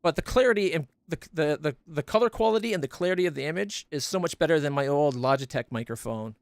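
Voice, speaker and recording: A man's voice: lively intonation, fast talker, dry recording. A man streaming from home, chatting casually about his gear in a rambling, self-correcting way, close on a studio condenser mic. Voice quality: not very deep voice. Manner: rambling, self-correcting, stumbles over names.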